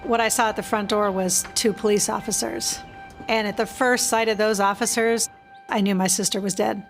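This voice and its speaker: A woman's voice: medium pitch, steady tone, normal speed. A woman recounting events in a documentary interview as the bereaved sister of a victim. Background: music.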